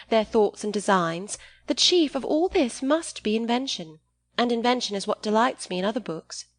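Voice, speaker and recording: A woman's voice: mid-range voice, vocal fry, dry recording. A woman voicing a candid, naive teenage girl in an audiobook, speaking in an eager and artless manner.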